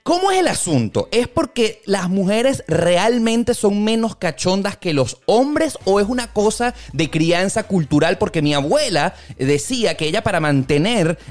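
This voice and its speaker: A man hosting a casual podcast, curious and questioning. His pitch swings widely as he talks. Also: big pitch swings, a little slow, few pauses. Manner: curious, asks probing questions. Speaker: host.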